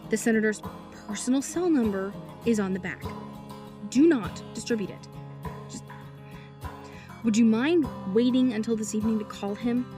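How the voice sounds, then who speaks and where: An actress playing a flustered, rambling aide to a senator, talking to the police. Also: female voice, a little high, normal speed, pauses often, music in the background, natural voice. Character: harried female political aide, chatty and evasive. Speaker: senator's deputy. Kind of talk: audio drama acting.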